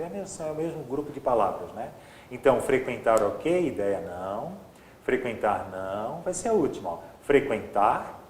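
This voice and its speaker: Male teacher, lively delivery. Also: mid-range voice, echoey room, slight background noise. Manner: explains step by step, often adds "ó" and "tá?". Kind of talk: exam-prep grammar lesson.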